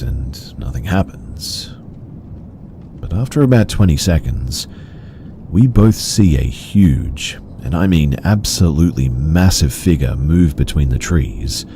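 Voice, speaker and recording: A man reading out horror stories in an even, measured storytelling delivery. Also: a bass voice, gravelly, a little hiss or hum. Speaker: story narrator. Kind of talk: scripted horror story narration.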